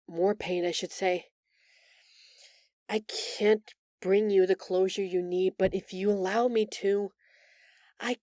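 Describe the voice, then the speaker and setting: Woman voicing a slow-spoken, gentle, remorseful alien woman. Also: mid-range voice, no room sound, studio quality, lightly acted. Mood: tender, apologetic. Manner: earnest, hesitant, emotional, with sighs and pauses. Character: gentle, remorseful female alien, empathetic, recounting her escape from captivity. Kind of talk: intimate audio roleplay monologue.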